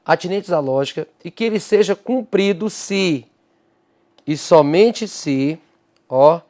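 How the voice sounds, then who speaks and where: Male teacher, Brazilian Portuguese accent, highish voice, emphatic step-by-step lecturing with self-answered rhetorical questions. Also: lively intonation, slow, a little mellow. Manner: answers his own rhetorical questions to an imagined student. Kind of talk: recorded exam-prep lecture.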